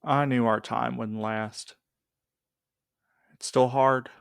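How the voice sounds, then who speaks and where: A man's voice: medium pitch, fairly even intonation, slow, gravelly, smooth, dry recording, studio quality. An actor playing a weary, guarded young man in an audio drama, with a subdued, terse delivery. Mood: grieving, defensive. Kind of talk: naturalistic audio drama acting.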